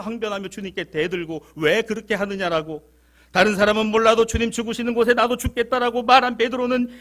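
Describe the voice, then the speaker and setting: A man with a high-pitched voice preaches to his congregation in a church. He asks rhetorical question after question, drops low and quiet, then rises with urgency. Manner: impassioned preaching with rhetorical questions, swinging from soft to loud. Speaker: pastor. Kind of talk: sermon. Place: church sanctuary.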